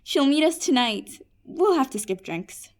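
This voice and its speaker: A woman as a high-voiced, earnest djinnia. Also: sing-song, a little slow. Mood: friendly. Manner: earnest, polite, persuasive. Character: Peri, kind, earnest young djinnia of smokeless fire. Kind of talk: fantasy comedy audio drama acting.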